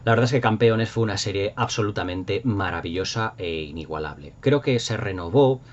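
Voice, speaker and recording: A man's voice: lowish voice, brisk, slight background noise. A middle-aged man with an accent from Spain, chatting casually and nostalgically to viewers in an enthusiastic, rambling, emphatic way. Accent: Spanish from Spain. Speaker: YouTube host. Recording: dull lo-fi sound.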